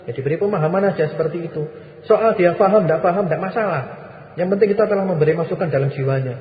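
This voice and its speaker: A man's voice: sits high, quick pace. A male Islamic preacher answering listeners' questions in a firm, exhorting, repetitive manner. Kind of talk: sermon Q&A. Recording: echoey hall, muffled lo-fi recording.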